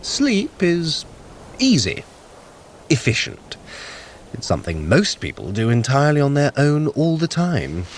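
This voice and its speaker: An actor playing a sardonic, haughty male trickster god in an audio drama, smug and quick-witted. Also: fairly high pitch, wildly swooping pitch, background noise, heavily acted. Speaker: Loki.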